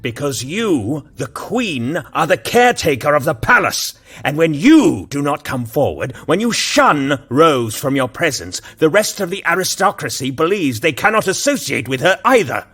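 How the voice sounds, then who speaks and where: A man's voice: fairly high pitch, very animated, normal speed, few pauses, fairly bright tone, husky, full character voice. An actor playing a stern, brusque king who issues orders coldly. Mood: forceful. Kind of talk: audio drama acting. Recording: music bed behind.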